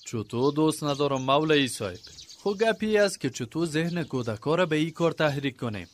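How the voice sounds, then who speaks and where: An actor playing an enthusiastic, encouraging village organiser in a radio drama, eager and full of praise, with an Afghan accent. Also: male voice, a little high, animated, slight background noise, natural voice.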